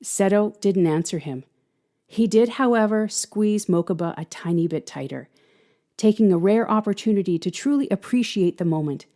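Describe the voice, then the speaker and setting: A woman reading scripted fiction as an expressive audio drama narrator. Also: medium pitch, moderate pace.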